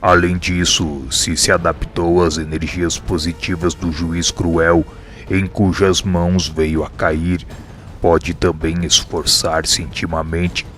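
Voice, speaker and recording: A man playing a wise, grave spirit mentor in a radio drama, speaking in a measured, didactic way. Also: sits low, a bit bright. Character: wise, grave male spirit mentor teaching his pupil.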